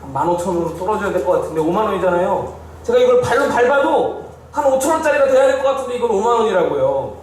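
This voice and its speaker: A man's voice: high-pitched, very animated, fast talker. A male pastor giving an emphatic Bible study sermon, repeating phrases and asking the congregation questions. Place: church hall. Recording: very echoey hall, distant mic, faint hiss.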